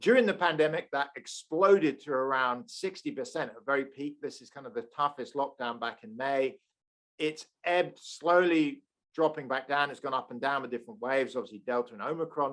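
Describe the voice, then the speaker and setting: A man with a British accent talks at a fairly quick pace. His fairly high voice shows big swings in loudness. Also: ordinary pitch variation. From Britain. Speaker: economics professor. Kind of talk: lecture. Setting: conference lecture.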